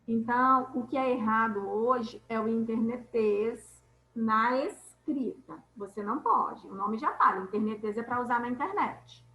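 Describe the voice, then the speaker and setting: A woman teacher leads an online class in a high, bright voice. She explains each point slowly and checks that her students follow. The sound is echoey, as if in a bare room.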